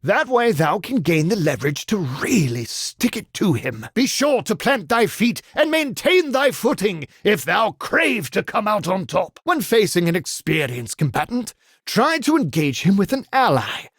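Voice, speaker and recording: An actor playing a theatrical, fawning and easily offended medieval knight for a video game, speaking mock-archaic English. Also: male voice, high voice, big pitch swings, unhurried, fairly bright tone, breathy edge, no room sound, studio quality, heavily acted. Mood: coaching, suggestive. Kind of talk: video game character voice lines.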